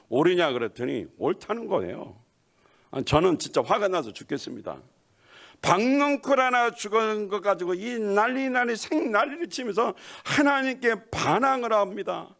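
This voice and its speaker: Man, pastor, sermon, gravelly, very animated pitch, middle-aged. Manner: animated preaching, acts out quoted lines, asks the congregation.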